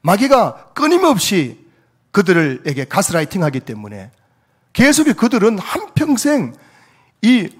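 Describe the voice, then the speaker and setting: Animated middle-aged male pastor preaching. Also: sits high, a little slow, slightly rough. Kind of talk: sermon.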